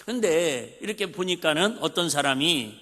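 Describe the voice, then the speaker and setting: A man's voice: fairly high pitch, animated, normal speed, a bit bright. A man in his fifties with a Jeolla accent, preaching a folksy, conversational sermon full of rhetorical questions. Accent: Jeolla Korean. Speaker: pastor. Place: church sanctuary. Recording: reverberant church hall.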